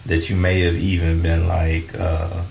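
A man hosts a casual interview and asks loose, rambling questions. His voice is very low with a gravelly edge. The room is echoey, with faint noise behind him. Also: completely flat delivery, unhurried, darkish tone. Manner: laid-back, filler-heavy questions.

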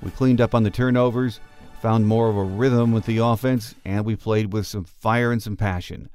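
A man's voice: lowish voice, darkish tone, clear, resonant tone, dry recording, clean studio sound. Earnest man hosting a sports podcast. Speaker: podcast host. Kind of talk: scripted podcast intro and commentary.

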